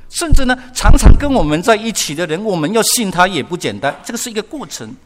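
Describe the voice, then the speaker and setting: A man's voice: sits high, very animated, fast talker, big-room sound. An older man preaching a sermon, often asking the congregation questions and repeating words for emphasis. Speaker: pastor.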